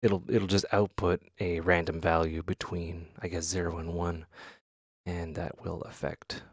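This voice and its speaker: Deep, gravelly-voiced man giving a tutorial. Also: level tone, no room sound, clean studio sound. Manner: halting, thinking aloud as he demonstrates. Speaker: tutorial host. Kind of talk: casual software tutorial talk.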